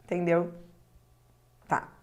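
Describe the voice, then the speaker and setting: A woman's voice: slow pace, darkish tone. A woman teaching a video grammar lesson, explaining step by step and checking that the listener follows. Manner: explanatory, checks understanding with tag questions.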